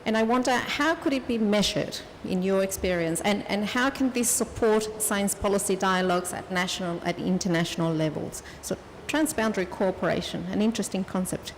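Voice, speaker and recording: A woman's voice: medium pitch, fairly quick, big-room sound, a little hiss or hum, rough recording. Courteous woman moderating a panel. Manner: courteous, thanks speakers and poses questions.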